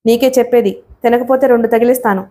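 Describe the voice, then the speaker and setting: A woman's voice: a little high, fairly even intonation, fast, mellow, close to an everyday voice. A woman reading as a stern harsh father. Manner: curt and harsh. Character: stern, stubborn middle-aged father.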